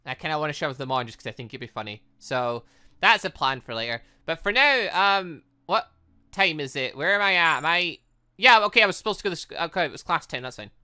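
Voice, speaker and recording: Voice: mid-range voice, lively intonation, quick pace, sharp tone, clear, resonant tone. A British let's play host giving casual commentary on a game, rambling and thinking aloud. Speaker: gaming video host.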